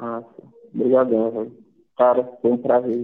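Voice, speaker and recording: At a fairly slow pace, a man speaks at a medium pitch with monotone, flat intonation. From Brazil, Pernambuco sertão. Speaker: caller. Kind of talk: phone-in call. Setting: phone call.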